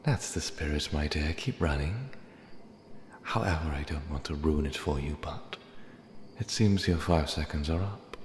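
A man's voice: extremely low pitch, measured pace. A man playing a possessive, menacing cat demon in an ASMR roleplay, taunting with mock affection. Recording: echoey hall reverb, clear background noise. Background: ambient sound effects.

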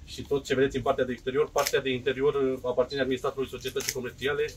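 A man's voice: medium pitch, little pitch movement, recorded from a distance, slight background noise. A man in his forties, an industrial park director, giving a hesitant press statement full of fillers at an outdoor event. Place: outdoor tent at a ceremony.

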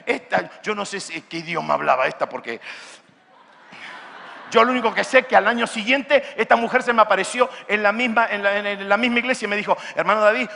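A male pastor preaching a sermon at a youth conference, with an impassioned delivery that rises to shouts. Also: sits high, creaky, big-room sound. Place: large hall at a youth conference.

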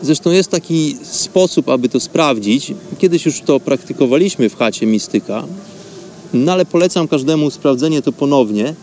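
A man hosting a radio show, giving instructional talk in an explanatory way, pausing now and then to find words. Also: a little high, lively intonation, darkish tone, slight background noise. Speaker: host of a radio show on meditation.

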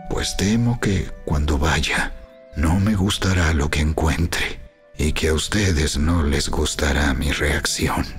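A man playing an earnest, humble apostle in a dramatized scripture reading, with solemn, deliberate, booming biblical narration. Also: full character voice. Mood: grave, apprehensive.

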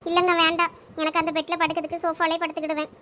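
An actress voices a young village wife in a family comedy-drama. She pleads with emotion, her voice very high and bright. She talks quickly. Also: flat delivery, slight background noise. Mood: calm. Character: young wife, tearful then shy. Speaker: actor in a village family skit.

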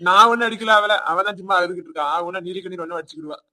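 Cartoon: surly village husband, Tirunelveli accent, quick, dismissive grumbling, middle pitch, voiced by a performer. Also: pushed and bright. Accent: Tirunelveli Tamil. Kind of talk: cartoon voice acting.

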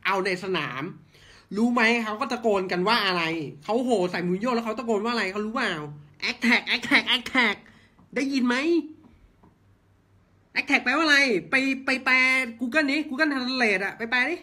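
Bright-voiced man ranting. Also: very high voice, fairly quick. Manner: heated, blunt, swears often, asks repeated rhetorical questions. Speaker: football fan channel host. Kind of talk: casual ranting commentary.

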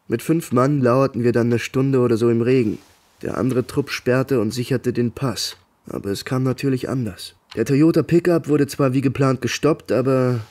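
Man acting haunted former soldier, audio drama, middle-pitched voice, halting confiding delivery, short clipped phrases. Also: darkish tone, lightly acted. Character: troubled ex-legionnaire confiding in his girlfriend. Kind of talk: naturalistic German radio play acting.

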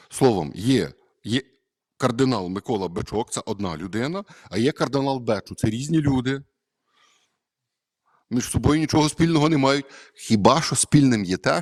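A man's voice: medium pitch, dry recording, clean studio sound. A man, a Catholic priest, giving a conversational homily full of hesitations and fillers.

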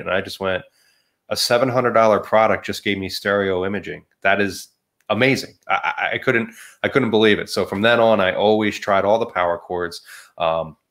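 A man's voice: deep voice, a bit bright. A man hosting a live workshop, telling an earnest story in casual chat. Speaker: host.

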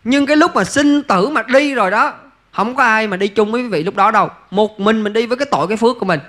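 A man's voice: sits high, quick pace, a bit bright. A man, a monk giving a folksy dharma talk that keeps asking listeners rhetorical questions. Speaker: Buddhist monk teacher.

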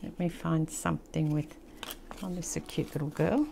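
A woman's voice: deep voice, fairly even intonation, moderate pace, gravelly, mellow, soft background music. An older woman with an Australian accent, chatting casually and reminiscing as she hosts a craft tutorial at a table. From country New South Wales, Australia. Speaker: craft channel host.

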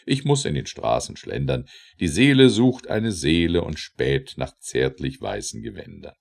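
A man reads poetry aloud as an audiobook narrator. His voice is very low and gravelly, and his theatrical delivery swings widely up and down. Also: a little mellow. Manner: theatrical, declamatory. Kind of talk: expressive verse recitation.

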